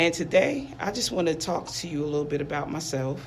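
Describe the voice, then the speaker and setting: A relaxed tone from a woman with a very deep, low pitch and an American accent, at a moderate pace with ordinary pitch variation, noticeable background noise and audible room echo. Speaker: radio host. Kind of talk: radio show introduction. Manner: smooth, relaxed.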